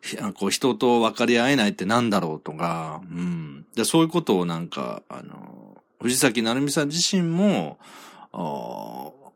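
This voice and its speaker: A man's voice: fairly low pitch, sing-song, unhurried, vocal fry, no echo, clean studio sound. A man hosting his own podcast, reading out listener comments in a rambling, self-deprecating way with frequent chuckles. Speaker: podcast host.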